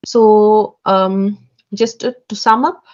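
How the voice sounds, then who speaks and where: Over a video call with dull, lo-fi sound, a woman runs a training briefing for new interns, politely and hesitantly, filling her speech with fillers. Her medium-pitched voice is slow, a little mellow, and fairly even in intonation.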